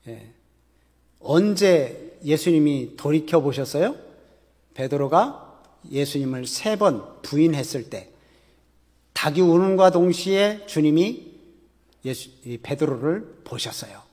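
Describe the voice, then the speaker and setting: A man's voice: on the high side, expressive, slow pace, pauses often, darkish tone. Male pastor preaching in a ringing hall. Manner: conversational preaching with rhetorical questions. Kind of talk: sermon.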